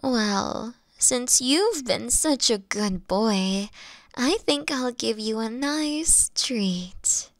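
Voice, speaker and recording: High, lilting, playful fox-girl girlfriend played by a woman. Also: lively intonation, very slow, dry recording, heavily acted. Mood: cozy, tender. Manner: teasing, cooing, breathy asides. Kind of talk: intimate girlfriend roleplay audio.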